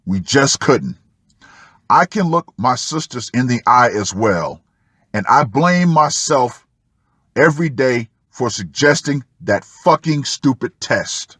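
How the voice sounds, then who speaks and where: Male commentator, unhurried and dramatic, reading a written story with pauses; close, dry sound. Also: mid-range voice, expressive, a bit bright, slightly rough, no room sound. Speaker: host of a commentary channel. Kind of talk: reading a personal post aloud with asides.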